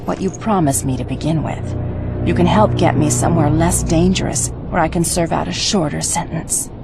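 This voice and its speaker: Sly teasing cat burglar, low voice, purring delivery, loud music behind. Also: female voice, moderate pace, creaky. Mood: coy. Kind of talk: video game cutscene acting.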